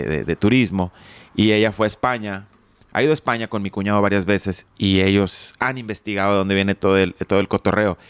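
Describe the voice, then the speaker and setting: A man's voice: low-pitched, smooth, no echo. A middle-aged man telling stories as an interview guest, joking and swearing casually. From Mexico. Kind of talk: casual storytelling.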